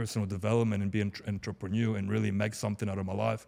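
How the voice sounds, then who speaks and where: The speech moves at a very fast pace in a monotone, flat intonation. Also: man. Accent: Australian. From Australia (Sydney), raised partly in Greece. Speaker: entrepreneur and coach. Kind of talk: casual podcast interview.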